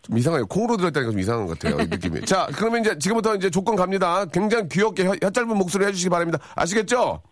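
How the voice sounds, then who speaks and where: A middle-aged male radio host runs a call-in quiz at a fast clip. His pitch swings widely as he trades teasing jokes with callers and his co-host. The voice sits a little high for a man. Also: lively intonation, no echo, studio quality. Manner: joking, teasing, quick asides.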